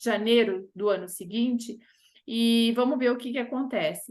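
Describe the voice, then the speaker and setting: A woman talks at a moderate pace in a high pitch with ordinary pitch variation against a quiet background. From São Paulo, Brazil (moved to Blumenau at 12). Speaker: real estate agent. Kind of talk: interview chat.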